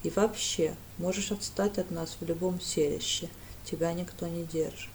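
A woman voicing a gloomy, reserved male priest who speaks coldly and evenly in a lowered voice. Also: fairly even intonation, a little mellow, slight background noise, natural voice. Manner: cold, measured, low-voiced.

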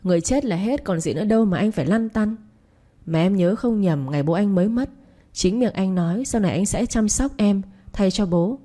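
A woman's voice: mid-range voice, animated, a little fast, mellow, close to an everyday voice. Woman voicing a scheming mocking stepmother. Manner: mocking, wheedling.

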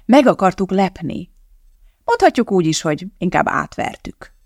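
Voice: mid-range voice, very animated, gravelly, no room sound, clean studio sound. A narrator voicing a cool, cutting male foundation official who speaks curtly and pointedly.

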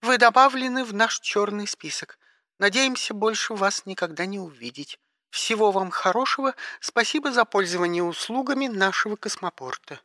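A man's voice: sits high, expressive, normal speed, pushed and bright, dry recording, clean studio sound, pitched above the performer's own voice. A man doing a prim female space dispatcher. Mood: icily polite. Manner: formal, icily courteous.

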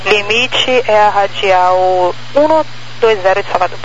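A man's voice: sits high, unhurried. A man speaking terse, procedural air traffic phraseology over a radio transmission. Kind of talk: clipped aviation radio phraseology. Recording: muffled, very noisy aviation radio.

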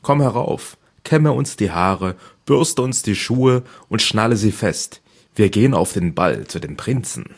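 A man's voice: on the low side, lively intonation, unhurried. A man doing scornful proud stepsisters. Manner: scornful, taunting. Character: stepsisters, proud and mocking young women.

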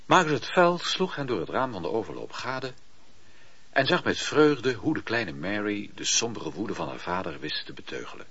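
A man's voice: fairly low pitch, big pitch swings, moderate pace, pushed and bright, slightly rough, full character voice. A man narrating a historical radio drama as an all-knowing, literary storyteller. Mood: measured, dramatic. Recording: dull lo-fi radio play recording.

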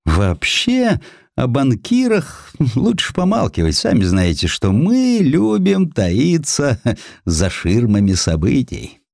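A man's voice: medium pitch, huge pitch swings, slow pace, gravelly, darkish tone, no room sound, clean studio sound, pitched above the performer's own voice, full character voice. A man voicing a secretive, wealthy banker with a confidential, coaxing manner in an audiobook. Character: secretive wealthy male banker, softly insistent, wheedling.

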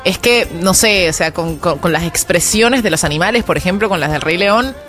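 A woman's voice: on the low side, expressive, normal speed, fairly bright tone, faint music behind. Giggly Argentine radio co-host woman. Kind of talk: casual radio show chat.

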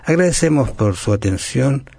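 A man co-hosting a Bible study program, explaining in a calm, steady way. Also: medium pitch, moderate pace, gravelly, husky, soft background music. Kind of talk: conversational Bible study dialogue.

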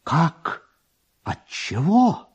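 Man playing indignant pompous official, hurried and flustered, lively lowered pitch, radio storybook reading, muffled old recording. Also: slightly rough, exaggerated voice. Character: agitated, self-important male government official, desperately indignant. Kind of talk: dramatised literary reading. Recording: dull, lo-fi archive radio recording.

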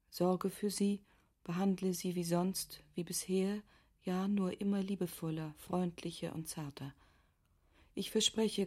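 A sorrowful noblewoman reads intimate letters in a radio drama. Her voice is mellow and on the low side, with a husky, breathy edge. She speaks slowly and in a hushed way.

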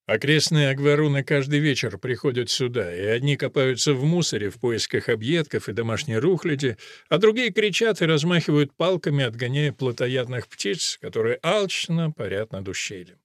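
A man reading a novel aloud as narrator, in an even, descriptive manner. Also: medium pitch, normal speed, hardly any pauses, no echo, studio quality. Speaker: audiobook narrator. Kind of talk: scripted narration.

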